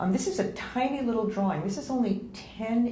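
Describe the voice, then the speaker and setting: Over clearly audible background noise, a woman talks with ordinary pitch variation. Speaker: auction house art specialist giving a talk. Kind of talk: lecture to an audience about artworks. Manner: conversational, hesitant with fillers.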